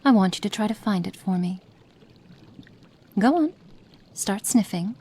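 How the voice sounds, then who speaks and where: Woman playing a slow, menacing cruel witch. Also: medium pitch, lively intonation, slight background noise, close to an everyday voice. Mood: clinical, curious. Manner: slow, menacing, drops into soft whispers. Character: cruel, cold female witch experimenting on a captive. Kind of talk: ASMR roleplay.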